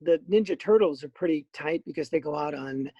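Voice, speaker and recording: A middle-aged man with a raspy voice, a voice actor chatting as a podcast guest in an animated, rambling way. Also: on the high side, brisk, dry recording, highs cut off. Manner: animated, rambling with many fillers. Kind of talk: casual podcast interview.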